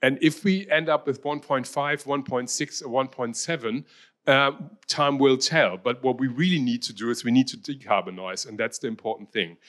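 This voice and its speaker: A middle-aged man from Germany gives a slide talk in a German-accented voice of ordinary pitch. He speaks with a hesitant, halting flow, often pausing on "um" and restarting his phrases. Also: a bit bright. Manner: hesitant, many ums and restarts. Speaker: university researcher.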